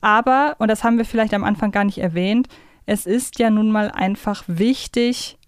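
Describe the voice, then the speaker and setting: A woman's voice: medium pitch, normal speed, clear, resonant tone, dry recording, studio quality. A woman talking casually and analytically as a podcast co-host, explaining in loose, chained sentences. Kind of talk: casual conversational fan podcast talk.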